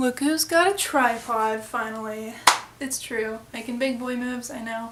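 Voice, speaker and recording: With an American accent, a woman speaks in a high voice. Her pace is fairly slow, and there is noticeable background noise. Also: ordinary pitch variation. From Southern United States. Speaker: English tutor. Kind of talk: casual talk to camera.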